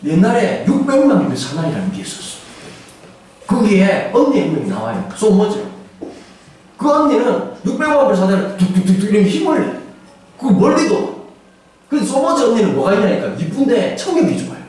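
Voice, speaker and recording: A pastor in his forties giving a humorous, animated sermon, now and then acting out voices and shouting for effect. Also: sits high, fairly quick. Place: church sanctuary. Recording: echoey church hall, distant mic, faint ambience.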